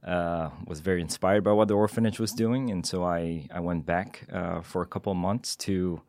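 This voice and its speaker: A middle-aged man answers interview questions in a very low voice. He talks in a measured, hesitant way, full of small fillers. The studio sound is dry. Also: fairly even intonation, a little mellow, dry recording. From Singapore. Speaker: guest, tech executive. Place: podcast studio.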